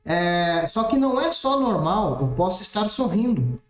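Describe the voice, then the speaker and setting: A man's voice: high voice, sing-song, unhurried. A man teaching an exam-prep math lesson, explaining step by step and checking in often. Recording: roomy echoey room.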